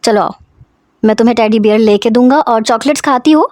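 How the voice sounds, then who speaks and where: A woman voicing a kind young man who coaxes gently and reassures. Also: fairly high pitch, dry recording, studio quality, lightly acted. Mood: reassuring. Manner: gentle, coaxing.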